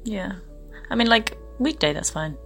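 Coy woman with a gravelly voice. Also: mid-range voice, animated, normal speed, a bit bright, faint music behind. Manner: coy, laughing. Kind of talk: casual flirty banter.

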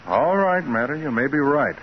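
An actor playing a dogged, authoritative private detective in a brisk, insistent 1940s radio crime drama style. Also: male voice, on the high side, animated, lightly acted. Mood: determined, polite. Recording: muffled, noisy 1940s radio recording.

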